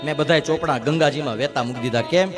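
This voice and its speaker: A man's voice: fairly high pitch, fast, music in the background, close to an everyday voice. A man playing a revered male saint in a devotional story, speaking with earnest, pleading questions. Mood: heartfelt.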